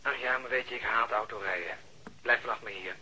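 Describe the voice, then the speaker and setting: A teasing detective colleague. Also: male voice, medium pitch, fairly quick, pushed and bright, a little hiss or hum, poor audio. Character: jokey male detective colleague on the phone. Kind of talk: radio drama acting.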